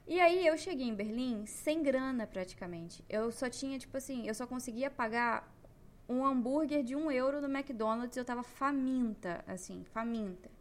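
A young Brazilian woman with a Brazilian Portuguese accent, hosting a podcast and telling a personal story in an emotional, animated way. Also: fairly high pitch, normal speed. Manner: emotional, animated retelling with slang. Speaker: podcast host.

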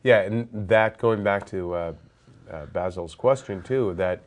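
A man's voice: deep voice, measured pace. A stuffed-up man hosting a movie podcast, chatting casually and joking around with lots of fillers. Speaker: podcast host. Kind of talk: casual roundtable chat.

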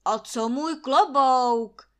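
A woman voicing a bossy old squire with a bad cold, shouting orders and curses between sneezes. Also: high-pitched, clear, resonant tone, pitched above the performer's own voice, close to an everyday voice. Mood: outraged.

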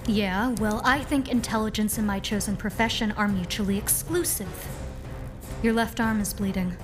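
A woman's voice: mid-range voice, steady tone, music in the background, natural voice. An actress playing a brave young masked female vigilante in a pulp radio drama, determined and dryly witty. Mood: wry, determined. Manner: determined, dry wit, unhurried. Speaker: actor.

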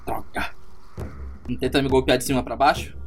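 A Brazilian man with a mid-pitched voice describes his character's actions in casual table talk. Music plays behind him. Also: little pitch movement, fairly quick. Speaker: player in a tabletop game. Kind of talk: casual game chat describing own moves.

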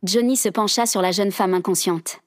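A woman doing the scripted narration of an audio drama in a steady storytelling manner. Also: mid-range voice, normal speed, no room sound, studio quality.

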